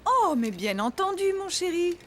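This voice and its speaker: A woman voicing a gentle, patient mother in a children's cartoon, encouraging and reassuring. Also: very high voice, sing-song, moderate pace.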